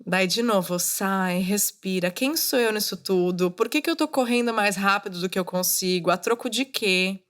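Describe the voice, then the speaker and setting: A woman's voice: mid-range voice, moderate pace, hardly any pauses, fairly bright tone. A woman in her thirties hosting a solo podcast, talking casually and coaching her listeners directly. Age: 30s. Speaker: podcast host. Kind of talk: solo podcast monologue, motivational.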